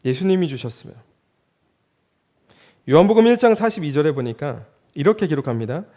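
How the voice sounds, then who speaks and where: A man in his thirties, a junior pastor, preaching a sermon in church and asking the congregation rhetorical questions as his loudness rises and falls. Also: a little high, big pitch swings, fairly quick.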